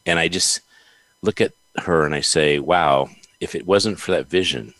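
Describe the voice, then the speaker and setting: Very deep-voiced effusive male podcast host. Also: moderate pace, no room sound. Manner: effusive, warmly appreciative, giggly. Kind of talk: interview conversation.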